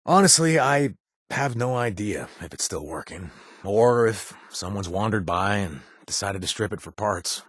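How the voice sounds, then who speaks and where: An actor playing a jaded, wisecracking male ex-raider bartender in a video game, sarcastic and rambling with nervous fillers, husky voice. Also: fairly low pitch, animated, normal speed, fairly bright tone, dry recording, clean studio sound. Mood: wry. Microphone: close studio mic.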